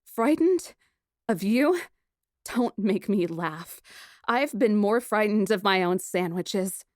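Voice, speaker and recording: A woman voicing a defiant, sarcastic, highly strung female engineer in an audiobook. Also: takes it slowly, dry recording, clean studio sound. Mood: scornful. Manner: sarcastic, defiant, flat retorts. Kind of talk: audiobook character acting.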